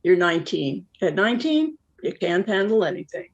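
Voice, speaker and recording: A woman playing a jilted, world-weary Catholic woman confessing in a one-act play, candid and rueful with deadpan asides. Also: mid-range voice, moderate pace, muffled recording. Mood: bitter, deadpan.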